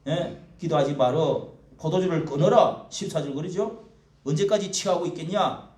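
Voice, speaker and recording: A man's voice: on the high side, moderate pace, a little mellow. A male pastor preaching a sermon in a church, rhetorical and often prodding the congregation. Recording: echoey room, mic at a distance.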